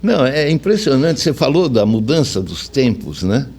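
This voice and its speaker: A man's voice: medium pitch, very animated, normal speed, darkish tone, husky. An older man with a Brazilian accent, telling anecdotes casually and colloquially as an interview guest. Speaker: interview guest, veteran radio journalist.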